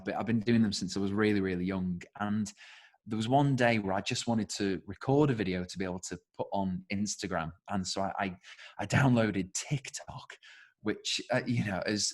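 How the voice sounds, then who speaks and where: Low-voiced British man chatting casually. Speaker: guest, voice actor and podcaster. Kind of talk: casual interview chat.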